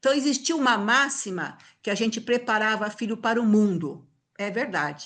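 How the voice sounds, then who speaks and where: Against a quiet background, a plain, everyday voice moves at a moderate pace with lively intonation. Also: woman, fairly high pitch for a woman. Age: 60s. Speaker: professor and lecturer. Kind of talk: lecture.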